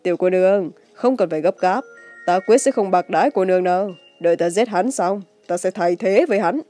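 Casting: arrogant young male wuxia villain female reader acting, mellow but mocking, music bed. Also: fairly low pitch, fairly quick, close to an everyday voice. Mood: gloating, mocking. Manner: taunting, smug.

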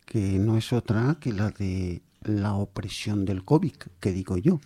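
Husky, mellow-voiced host. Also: male voice, on the low side, measured pace. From Aragón, Spain. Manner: informal, hesitant, colloquial. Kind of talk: casual online interview. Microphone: headphones with mic, remote stream.

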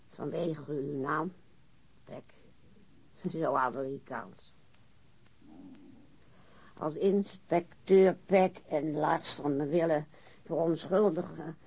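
Casting: boozy, refined widow, slow and prickly, with a gravelly, raspy female voice, for a muffled radio play. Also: low-pitched, warm tone, full character voice. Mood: brittle politeness. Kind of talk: radio drama acting.

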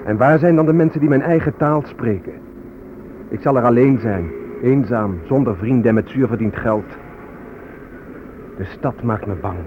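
A man's voice: medium pitch, normal speed, pauses often, close to an everyday voice. A man in a radio drama playing a proud, bitter Native American with solemn, declamatory delivery. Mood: bitter defiance. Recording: noisy narrowband old radio recording.

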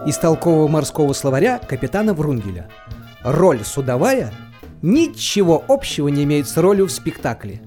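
Male, highish mellow voice, very animated, droll mock-dictionary lecturer, faint music underneath. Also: normal speed. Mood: mock-didactic. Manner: mock-didactic, playful. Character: droll narrator reading a mock sea dictionary. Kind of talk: scripted humorous definitions in an audio play.

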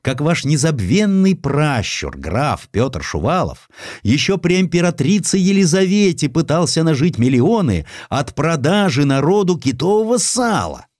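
An actor voicing a blunt, jovial old Russian admiral in an audiobook, with exclamatory, drawn-out, dismissive delivery. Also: male voice, fairly high pitch, very animated, a little mellow, dry recording, studio quality, pitched above the performer's own voice. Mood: mocking. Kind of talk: acted dialogue in an audiobook.

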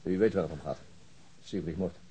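Radio drama: unyielding senior detective, low dark voice, very rough-edged, laconic. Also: male voice. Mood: grave, accusing. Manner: measured, blunt, laconic. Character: grave, weary, unyielding police chief inspector.

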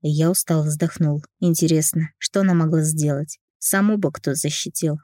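A woman reading a novel aloud in an even storytelling manner, narrating as a first-person male narrator. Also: deep voice, normal speed, dry recording, clean studio sound. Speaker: audiobook reader.

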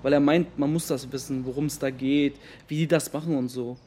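A man's voice: mid-range voice, steady tone, moderate pace, warm tone, close to an everyday voice. An actor playing a defensive young Muslim man, speaking slangy testimony in a naturalistic radio drama. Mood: earnest. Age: young adult. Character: defensive young Muslim friend of a missing teenager.

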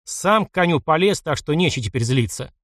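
Guy doing a calm blunt young hunter, plain voice, audiobook, dry. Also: a little high, fairly quick, no room sound. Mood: firm. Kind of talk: audiobook character voicing.

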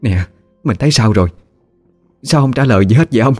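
A man voicing a frantic village wife from the south, pleading with her husband in rapid, urgent questions. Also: medium pitch, lively intonation, darkish tone, faint music behind, pitched above the performer's own voice, lightly acted. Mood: worried pleading.

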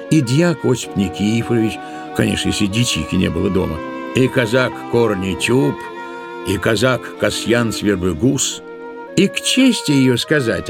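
A man with a fairly low, noticeably creaky voice narrates a literary tale. His delivery is expressive and wry, like a playful storyteller. Music plays clearly behind him. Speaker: audiobook narrator. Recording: studio audio drama with music behind.

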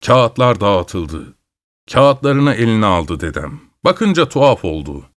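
A man reading a folk tale aloud with expressive delivery. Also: lowish voice, takes it slowly. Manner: expressive, shifting voices for characters. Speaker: storyteller. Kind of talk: dramatic story reading.

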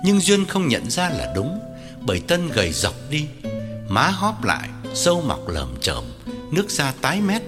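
A man narrating a story with dramatic, widely varied delivery. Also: mid-range voice. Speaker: audiobook narrator. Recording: long hall reverb, faint music.

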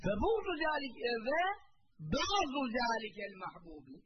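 A man's voice: very high voice, sing-song, normal speed, dull audio, noisy background. A man preaching to a congregation, quoting Arabic phrases and translating each one, who asks rhetorical questions and answers them himself. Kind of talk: religious talk to a congregation.

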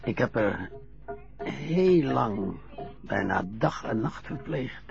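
A man playing a gravelly, stammering old widower. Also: medium pitch, animated, slow, highs cut off, over music. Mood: sorrowful. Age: older. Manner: hesitant, stammering. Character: frail old widower being bathed, fearful, teasing fibber. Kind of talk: radio play acting.

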